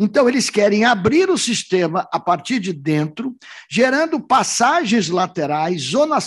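In a quiet background, a man with a high pitch speaks at a fairly slow pace, his pitch swinging very widely. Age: 60s. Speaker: professor; speaker. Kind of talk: conference talk. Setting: auditorium with audience. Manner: halting. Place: meeting room. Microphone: podium.

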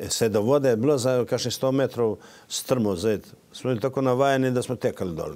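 Ordinary in pitch variation, a man with a Croatian accent speaks in a dark, mellow tone. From Croatia, Dalmatia. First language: Croatian (speaking Slovenian). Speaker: former member of parliament, author; interview guest. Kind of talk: interview. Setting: studio. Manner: halting, many fillers. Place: studio. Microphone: lapel.

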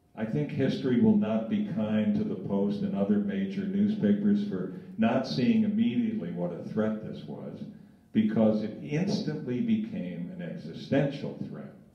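A man with an American accent speaks with big swings in loudness. Audible room echo surrounds his voice. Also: moderate pace. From New York City (Bronx); New York City. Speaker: newspaper columnist; guest, former journalist. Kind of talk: talk to an audience. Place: hall.

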